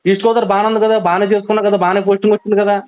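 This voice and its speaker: Man, high voice, very rapid, insistent pleading, tinny phone line. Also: little pitch movement, clean tone. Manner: pleading, insistent, rapid reasoning with many restarts. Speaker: friend on a phone call. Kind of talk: urgent pleading phone conversation.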